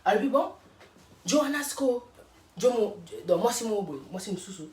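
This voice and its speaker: A woman's voice: on the high side, animated, normal speed, darkish tone. A woman, speaking in an emphatic, fiery casual rant and repeating rhetorical questions. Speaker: vlogger. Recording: roomy sound from a distant mic.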